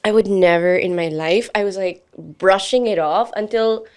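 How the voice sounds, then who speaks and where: A woman's voice: mid-range voice, clean tone. A woman in her thirties with a Filipino accent, a guest telling candid stories in casual chat, switching between English and Tagalog. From Philippines. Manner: candid, mixes English and Tagalog, quick animated storytelling with laughs.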